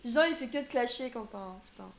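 A woman's voice: a little high, lively intonation, a little fast. A woman in her twenties with a French accent, chatting playfully as a live streamer and switching into accented English. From France. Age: 20s. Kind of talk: casual live stream chat.

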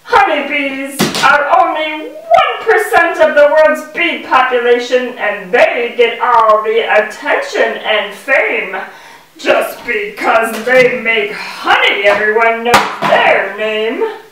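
A woman's voice: a little high, sing-song, slow pace, noisy background. Woman as a bubbly bee puppet in an echoey room. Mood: troubled. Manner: boastful, theatrical, sing-song rhyming delivery. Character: proud, bubbly talking male mason bee puppet. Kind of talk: children's puppet show performance. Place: indoor puppet stage, far from the mic. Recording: echoey room, distant microphone.

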